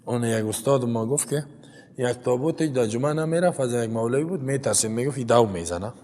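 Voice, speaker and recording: Man, Afghan Dari accent, Quran commentary lesson, medium pitch, chatty asides, long hall reverb. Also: mellow, a little hiss or hum. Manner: recites Arabic verses, then explains in plain talk; chatty asides with rhetorical "right?". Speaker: Quran teacher.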